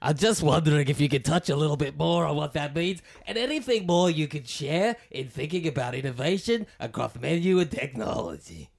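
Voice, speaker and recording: A man's voice: on the high side, expressive, a little fast, gravelly, hardly any pauses, heavy background noise. A man playing a financial analyst asking a question in a theatrical earnings-call reenactment. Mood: inquiring.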